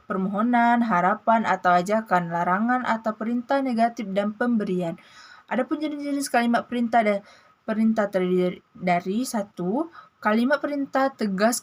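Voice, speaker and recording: Young woman, student presenter, reads a lesson aloud with stumbles and restarts, slightly high voice. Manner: reads with frequent restarts and broken-off words; lists items one by one. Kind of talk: reading a grammar lesson aloud.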